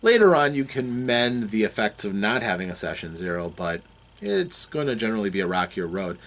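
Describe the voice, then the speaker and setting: A man with a fairly low voice talks through game design as a game master. His delivery is unscripted and explanatory, with deliberate, halting phrasing as he works out his thoughts aloud. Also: very animated, fairly bright tone.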